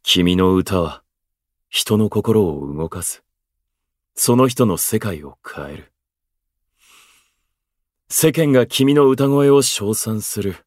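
Aloof theatrical observer, very low voice, florid pompous phrasing, voice drama, dry close sound. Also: male voice, lively intonation, darkish tone, dry recording. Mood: wistful. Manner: pompous, florid, unhurried speech. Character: theatrical, aloof male station worker, eloquent observer. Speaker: voice actor. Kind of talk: Japanese voice drama acting.

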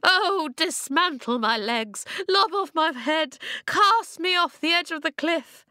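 A woman's voice: very high-pitched, animated, slow, sharp tone, no room sound, clean studio sound, pitched above the performer's own voice, heavily acted. A woman voicing a dramatic stone man who becomes a giant, wailing and theatrical.

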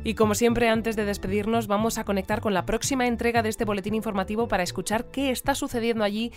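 A woman's voice: on the high side, steady tone, fast, faint music behind, close to an everyday voice. A woman playing a chatty, polite news presenter in an audio drama.

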